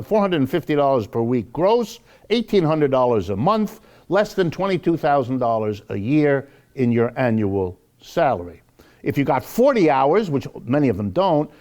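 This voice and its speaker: A man's voice: a little high, a little mellow. An American man giving a live public lecture, sarcastic and emphatic, drawing out key words for effect. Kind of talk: live lecture with read-out quotes and commentary.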